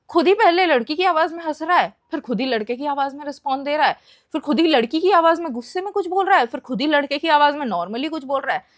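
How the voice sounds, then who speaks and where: Young woman, high voice, casual storytime narration, animated, code-switching. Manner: animated, mixes Hindi and English.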